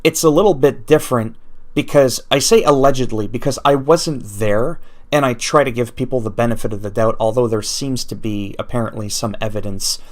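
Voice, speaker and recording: A man's voice: medium pitch, a little fast. A man whose first language is French, ranting off the cuff in an unscripted vlog commentary and thinking aloud as he goes. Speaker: YouTuber.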